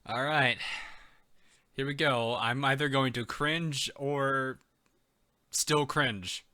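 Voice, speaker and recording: A man's voice: mid-range voice, takes it slowly, sharp tone, dry recording, clean studio sound. A man streaming a game, chatting casually with viewers, laughing often and reading chat aloud. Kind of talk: casual let's-play commentary.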